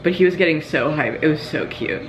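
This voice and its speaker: A woman's voice: low voice, lively intonation, a little fast, soft background music, rough recording. A young woman chatting casually to her vlog audience in an informal, giggly storytelling way. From Georgia, United States. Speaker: vlogger.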